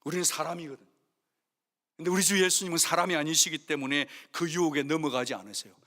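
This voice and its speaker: A man preaching a sermon as pastor, dramatic, swinging between forceful rebukes and hushed asides. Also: a little high, quick pace. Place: church sanctuary. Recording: long reverb of a church hall.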